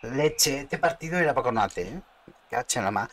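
Spanish guy streaming a football game, voice jumps all over, keeps swearing and yelling at his players. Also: medium pitch, normal speed. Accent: Spain Spanish. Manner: excitable, muttering and cursing at the game. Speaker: gaming streamer. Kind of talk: live gameplay commentary.

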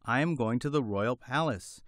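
A man's voice: medium pitch, moderate pace, a bit bright, no room sound, clean studio sound, natural voice. A man voicing a timid little white hen with a small, frightened, chirping voice in a storybook reading.

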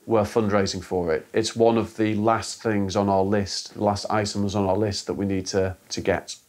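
Measured teacher in an office. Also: male voice, lowish voice, flat delivery, a little mellow. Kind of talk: documentary interview. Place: office indoors.

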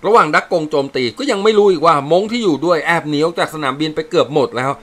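A man's voice: a little high, animated, fast talker, fairly bright tone, voice pushed up. A man voicing a blunt male sergeant briefing his squad in plain, coarse words. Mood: explaining. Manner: blunt, matter-of-fact, coarse. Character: gruff male sergeant, blunt team leader.

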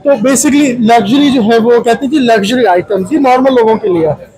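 A man's voice: very high voice, a little fast, a little mellow, breathy edge, low-quality recording. A man with a South Asian accent hosting a casual walk-through vlog, chatty and playful, mixing in English words. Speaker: vlog host. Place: inside a large shopping mall.

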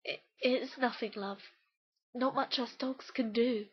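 Animated mother dog, female actor: British accent, protective, tender yet vengeful, fairly high voice, unhurried. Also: breathy edge, lo-fi sound. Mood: subdued, grimly tender.

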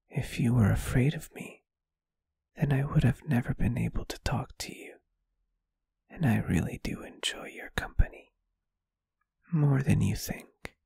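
A performer voicing a shy, gentle, lovestruck ghost in an ASMR roleplay, in a breathy, soft, hesitant and tender whisper. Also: medium pitch, no room sound. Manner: bashful, tender, hesitant, intimate. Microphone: close microphone, dry.

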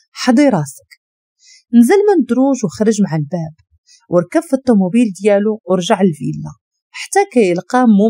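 Moroccan woman narrator for a drama story, warm lively voice, dry close sound. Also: medium pitch, dry recording. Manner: steady expressive narration.

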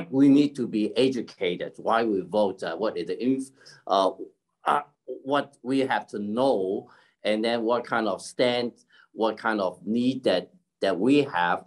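Halting older man giving an informal speech. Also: fairly low pitch. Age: older, about 70s. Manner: halting, with frequent throat-clearing. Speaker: keynote speaker and community leader. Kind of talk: informal extemporaneous speech on an online forum. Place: indoor room at home, by a curtained window. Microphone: video call, device mic at desk distance.

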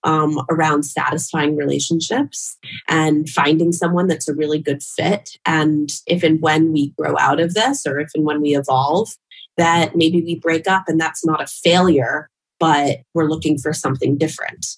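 A woman in her thirties giving thoughtful, measured answers in a conversational interview from home. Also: deep voice, steady tone, husky, poor audio. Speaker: psychologist guest, relationship podcaster. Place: home room, indoors. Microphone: video call, wearing headphones.

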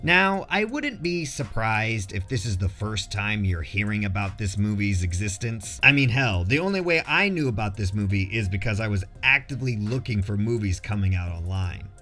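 Animated man reviewing a film. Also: lowish voice, moderate pace, few pauses, faint music behind. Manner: jokey, slangy delivery. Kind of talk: casual scripted review narration.

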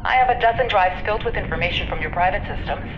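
A defiant, scornful wife turned rebel in a sci-fi audio drama. She comes through a dull radio link with echo and clear noise, her voice emotional and bitter. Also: medium pitch, fast. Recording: dull, noisy, echoing radio transmission.

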